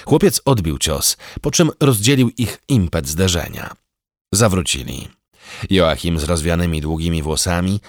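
A man narrating a historical novel as an audiobook, in a measured, steady, dramatic storytelling manner. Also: low voice, no room sound, studio quality.

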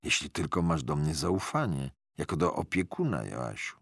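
A man voicing a calm old grandfather colonel. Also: rumbling low, moderate pace, vocal fry, slightly rough, dry recording, studio quality, exaggerated voice. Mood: reassuring. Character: older grandfather, a retired colonel, calm and caring. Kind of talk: audiobook character voice.

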